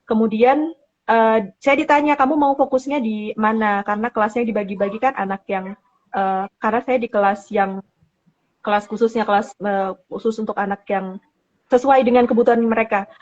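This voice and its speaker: A woman from Papua, Indonesia, talking as an interview guest in a casual chat, halting and mixing in English words. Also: a little high, a little mellow, highs cut off.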